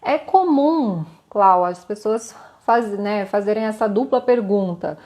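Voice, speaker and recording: A woman's voice: mid-range voice, slow, darkish tone. A woman with a Brazilian Portuguese accent gives a live-streamed lesson, explaining in a conversational way, tagging her points with little questions and light laughs, and answering viewer comments. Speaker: communication instructor.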